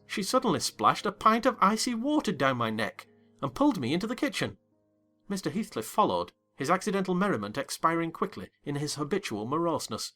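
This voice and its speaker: A man narrating a dramatized classic novel in first person with a theatrical, expressive delivery, soft music beneath. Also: mid-range voice. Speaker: audiobook narrator.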